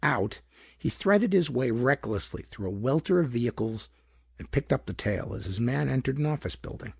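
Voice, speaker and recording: Husky, expressive male audiobook narrator. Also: medium pitch, normal speed, dry recording, clean studio sound. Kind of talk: scripted narration of a pulp detective story.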